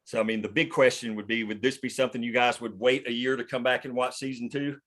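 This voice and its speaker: Male writer-host, casual group discussion, halting mid-sentence pauses, mildly profane. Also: medium pitch, level tone, fairly bright tone. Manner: halting, pausing mid-sentence to find words. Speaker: writer and host leading a table read.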